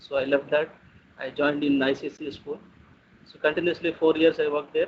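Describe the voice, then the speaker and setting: With a South Indian accent, a man speaks at a fairly quick pace. His pitch is fairly high and his intonation fairly even. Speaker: teacher. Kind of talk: interview conversation. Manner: halting.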